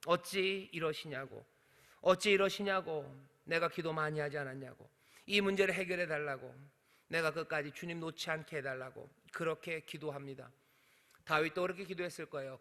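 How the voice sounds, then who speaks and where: A male senior pastor preaching a sermon with passion, using dramatic pauses and rhetorical questions. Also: a little high, pushed and bright. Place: church sanctuary. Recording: reverberant church hall.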